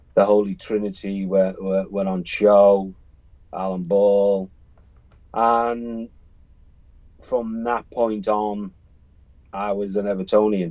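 A man speaks very slowly in a dark, mellow tone with monotone, flat intonation. He leaves long, frequent pauses. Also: fairly low pitch for a man. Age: 60s. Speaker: football fan. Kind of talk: casual chat.

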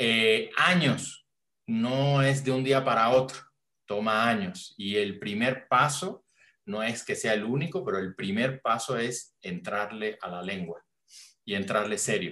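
A man speaks very slowly at a medium pitch, with ordinary pitch variation. The background is quiet. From Cuba. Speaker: historian and research center director. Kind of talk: interview.

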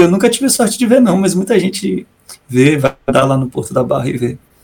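With a Bahian accent, this man has a dark, mellow tone, a somewhat breathy quality and a moderate pace. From Salvador, Bahia, Brazil. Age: 30s. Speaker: singer-songwriter. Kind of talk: casual interview. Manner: calm, relaxed.

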